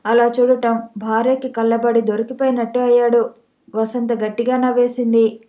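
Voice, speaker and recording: A woman narrating a romance novel as an audiobook reader, in steady storytelling. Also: fairly high pitch, normal speed. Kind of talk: scripted narration.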